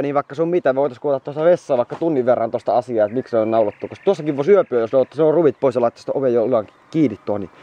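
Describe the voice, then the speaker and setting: A man's voice: mid-range voice, darkish tone, highs cut off. A worn-out young man vlogging from a moped trip, chatting casually to the camera and swearing often as he rambles on. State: exhausted. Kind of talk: casual travel vlog to camera.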